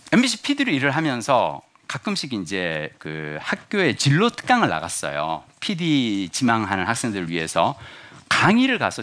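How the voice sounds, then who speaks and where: A man in his fifties gives a motivational lecture to an audience. His voice sits at an average pitch but leaps up and down all the time. He jokes and keeps putting questions to the listeners. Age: 50s. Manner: lively, jokey, asks the audience questions.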